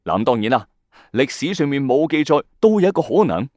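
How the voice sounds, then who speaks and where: A man with a Hong Kong Cantonese accent tells a dramatic story like a late-night ghost story host, adding commentary and speaking straight to listeners in a colloquial, emphatic way. His medium-pitched voice is very animated, a little fast and a little mellow, recorded as a dry voice-over with no echo and background music underneath.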